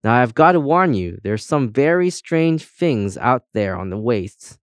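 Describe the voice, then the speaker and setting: A man's voice: mid-range voice, very animated, moderate pace, dry recording, clean studio sound, natural voice. A man voicing a chatty, cheerful female compass in a children's audiobook, with breezy, boastful colloquial talk. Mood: brisk, warning.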